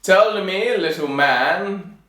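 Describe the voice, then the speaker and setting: A man voicing an imperious, scheming storybook king with a grand, measured, drawn-out delivery. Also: high-pitched, lively intonation, pushed and bright, echoey room, pitched above the performer's own voice, heavily acted. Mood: scheming, commanding. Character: booming, imperious, scheming old-fashioned king.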